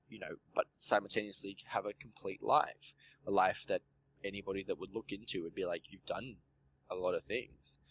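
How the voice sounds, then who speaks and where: Male podcast host, low-pitched, loose and rambling, sprinkles "like" everywhere. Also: rough recording. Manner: rambling, peppered with "like", swears casually. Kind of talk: casual chat.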